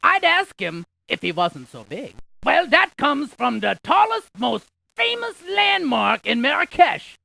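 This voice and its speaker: A man voicing an excitable, quirky scientist in a video game, with a creaky voice and a folksy, jokey, exaggerated delivery. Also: extremely high pitch, a little slow, few pauses, dry recording, heavily acted. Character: excitable, quirky scientist tour guide, full of folksy quips. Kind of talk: cartoonish video game character lines.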